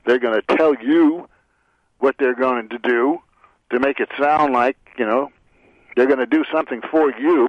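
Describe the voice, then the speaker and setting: A man giving unscripted radio commentary, halting and full of filler sounds, cynical about politicians. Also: fairly high pitch, no room sound. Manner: halting, many filler "uh"s, rambling. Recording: dry muffled radio audio.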